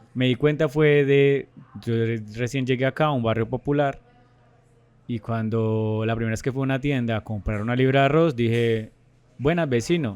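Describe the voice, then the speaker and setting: In a Tolima accent, a man speaks at a medium pitch. His pace is moderate and his intonation fairly even. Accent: Tolima Colombian accent, noticeable. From Colombia, Tolima (Ibagué). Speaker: stand-up comedian. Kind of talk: podcast interview.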